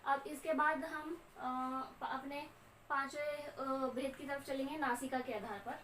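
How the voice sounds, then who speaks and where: A young woman teaching Hindi grammar in a slow, repetitive classroom lecture, often checking in with her students. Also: high-pitched, steady tone, fairly bright tone, recorded from a distance. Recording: echoey room, voice off-mic with faint hum.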